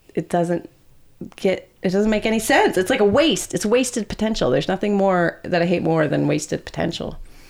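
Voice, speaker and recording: Here a woman has an ordinary speaking voice with an American accent, a medium pitch and lively intonation. She talks at a fairly quick pace with very even loudness. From Texas. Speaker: podcast host. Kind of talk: casual interview conversation.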